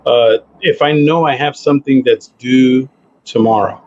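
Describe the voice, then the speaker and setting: A man's voice: medium pitch, moderate pace, darkish tone, lo-fi sound. A man in his forties, a guest talking casually over a video call from a home office, rambling with many fillers. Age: 40s. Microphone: headset.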